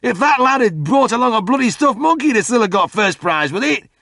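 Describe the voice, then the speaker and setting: A glum old pub regular, solemnly agreeing with his mate, as a man puts him on. The voice sits high and lively. The sound is dry and close. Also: a little fast, vocal fry, no room sound, exaggerated voice. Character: agreeable old Yorkshire drinking companion, glum.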